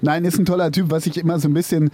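A man's voice: on the high side, little pitch movement, racing, mellow, slightly rough. A man co-hosting a tennis talk show, chatting casually with frequent laughs and fillers. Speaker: tennis podcast co-host. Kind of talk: casual chat.

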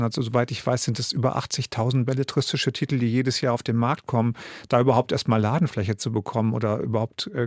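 A man's voice: mid-range voice, no room sound, clean studio sound. A man in his fifties from Germany, an author answering interview questions thoughtfully, with many fillers and restarts. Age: 50s.

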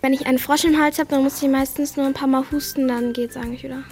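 A young woman answers an interviewer casually, pausing now and then. Her voice is high and stays flat. She keeps it offhand. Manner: casual, hesitant.

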